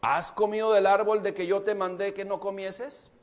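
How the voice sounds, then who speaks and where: A man's voice: high voice, little pitch movement, normal speed. A man with a Mexican Spanish accent preaching a sermon as pastor, speaking straight to the congregation. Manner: preaching, addresses the congregation directly.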